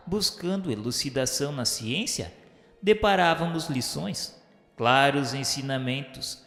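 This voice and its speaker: An actor with a Brazilian accent playing a solemn male spirit narrator in a radio drama, speaking in formal, measured, declamatory literary phrases. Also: medium pitch, fairly bright tone. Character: solemn male spirit recounting his afterlife studies and remorse. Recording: echoey hall reverb under music. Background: background music.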